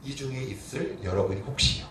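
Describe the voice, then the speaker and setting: A male pastor preaching a sermon emphatically, posing rhetorical questions and answering them himself, moving between quiet and forceful delivery. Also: mid-range voice, a little fast. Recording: roomy echo, distant mic, faint noise.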